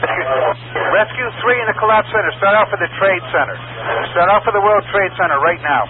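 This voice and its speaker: A male fire dispatcher with a high voice calls urgently over the radio. His delivery is terse and he repeats call signs. The sound is thin and phone-like, with clear static. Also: animated, fairly quick. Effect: radio transmission. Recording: tinny, noisy emergency radio channel.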